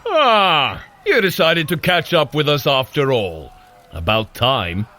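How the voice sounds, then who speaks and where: A man's voice: sing-song, takes it slowly, pushed and bright, faint music behind, full character voice. Big hearty warrior god trainer, takes his time, super swoopy grand delivery, audio drama. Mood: teasing. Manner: booming, theatrical, archaic grand phrasing. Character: boisterous, cheerful male Norse god warrior, hearty trainer.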